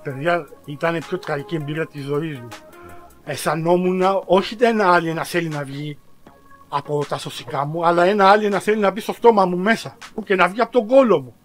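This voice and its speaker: A man vlogging in a casual storytelling style, animated and self-mocking, who talks straight to his viewers with slang and big exaggerated outbursts. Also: high voice, soft background music.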